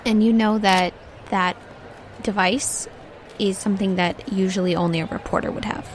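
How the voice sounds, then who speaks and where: A woman improvising narration as game master of a tabletop game, in a casual, halting, descriptive way. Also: medium pitch, fairly even intonation, a little hiss or hum. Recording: music under the voice.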